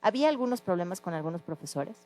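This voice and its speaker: A woman's voice: on the low side, expressive, fast talker, warm tone. A woman interviewing a former teacher, asking earnest questions with some hesitation.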